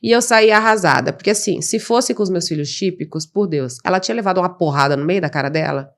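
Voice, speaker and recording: A woman's voice: on the low side, fast. A Brazilian woman speaks in an outspoken, impassioned way as a podcast guest. She tells her story as a mother bluntly, with no filter. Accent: Brazilian Portuguese. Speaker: guest, mother of an autistic child. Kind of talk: emotional storytelling in a podcast interview.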